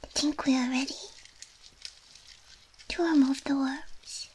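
A woman in an ASMR role-play as a quirky, soothing, slightly shady surgeon, talking gently and playfully as if giving personal attention. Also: high voice, fairly even intonation, slow, background noise. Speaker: ASMR performer playing a doctor.

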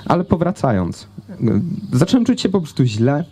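A man's voice: fairly high pitch, sing-song, normal speed, dark tone, breathy edge. A young man telling a personal story on an outdoor festival stage into a handheld mic, chatty and full of hesitations. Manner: conversational with many fillers and hesitations. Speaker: speaker giving a talk. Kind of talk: personal story told to an audience. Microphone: handheld microphone.

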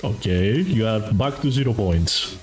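A man's voice: lowish voice, expressive, measured pace. A man hosting a streamed quiz show in English, which is not his first language, playful and teasing, laughing often. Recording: music playing behind.

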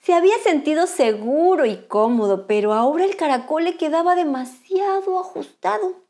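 A woman reading a picture book aloud to children in a bright, sing-song, expressive manner. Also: sits high, normal speed. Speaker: children's storyteller, channel host.

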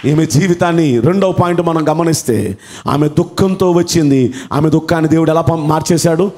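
A man's voice: on the high side, brisk, darkish tone, a little hiss or hum. A man preaching a sermon as pastor, telling a story dramatically, repeating phrases for emphasis and calling out hallelujah. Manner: fervent, exclaims hallelujah.

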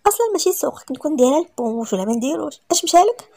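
Woman doing sassy moroccan girl in a story, high and fast, husky, snaps back. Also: very animated, mellow. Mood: indignant. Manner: snappy, indignant retorts. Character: feisty sharp-tongued young woman.

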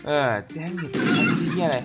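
A man giving casual gameplay commentary as a gaming YouTuber, excitable and profane, often shouting at the enemies on screen. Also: a little fast. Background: game music.

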